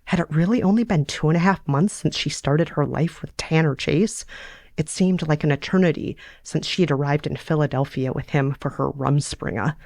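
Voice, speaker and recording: Woman, relaxed podcast storyteller, close dry sound. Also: sits low, moderate pace, gravelly, no echo. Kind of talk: relaxed chat and reading aloud from own fiction.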